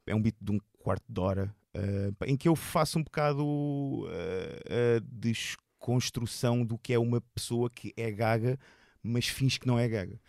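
This stand-up comedian, a guest in an interview, has a medium-pitched voice with vocal fry, a slightly mellow quality, and a normal speaking speed. His European Portuguese accent comes through as he stutters, repeating and blocking on words while animatedly and casually recounting his stand-up shows. The sound is dry and clean, as in a studio.

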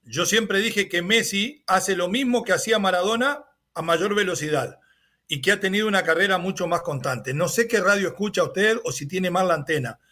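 A man's voice: high voice, moderate pace, sharp tone. A man with a Uruguayan accent hosting casual sports talk on the radio, conversational and familiar with his colleagues.

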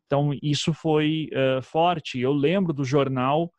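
A man in his thirties with a Paraná accent from southern Brazil, speaking conversationally and reflectively as an interview guest, often halting and restarting his sentences. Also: a little high, steady tone, a little mellow, dry recording. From Curitiba, southern Brazil. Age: 30s. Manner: halting, self-interrupting, frequent "né" tags. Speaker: podcast guest, storytelling podcaster.

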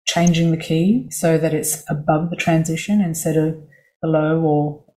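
A woman vocal coach guest on a podcast interview, explaining at a measured pace with many asides. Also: low voice, steady tone, warm tone, a little hiss or hum, rough recording.

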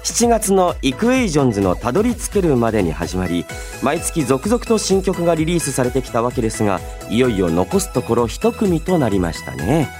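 This radio host speaks a little fast at medium pitch, barely pausing, with background music running under his voice. He's chatty and animated, playful but courteous, sliding from banter into announcements and back.

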